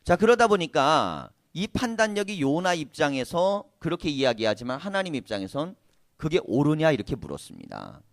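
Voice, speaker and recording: Male pastor, sermon, rhetorical questions, very animated intonation, fairly high voice. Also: fairly quick, few pauses, no echo, studio quality. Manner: conversational preaching with many rhetorical questions; occasional laughter. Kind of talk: sermon at a prayer meeting.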